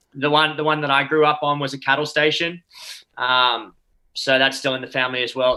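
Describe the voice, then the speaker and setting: An Australian accent marks this man's bright, sharp voice. He talks at a fairly quick pace with monotone, flat intonation. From Australia, Hunter Valley and Sydney. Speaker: professional rugby player. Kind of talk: interview. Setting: live stream.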